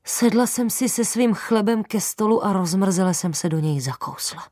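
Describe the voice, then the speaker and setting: A woman narrating a children's story in the first person as a girl, lively and playful with whispered asides. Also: mid-range voice, dry recording, clean studio sound.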